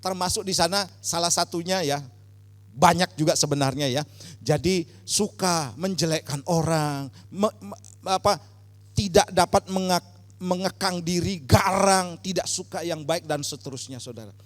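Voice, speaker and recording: A man's voice: high voice, moderate pace. A male pastor preaching a sermon with emphatic swells on key words and frequent rhetorical address to the congregation. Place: church sanctuary. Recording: church hall reverb.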